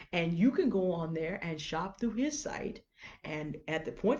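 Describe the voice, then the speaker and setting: A woman's somewhat breathy, dark, mellow voice at a fairly quick pace, with very wide pitch swings. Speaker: author. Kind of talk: live stream reading and Q&A chat. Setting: Facebook live video. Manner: calm, controlled; conversational.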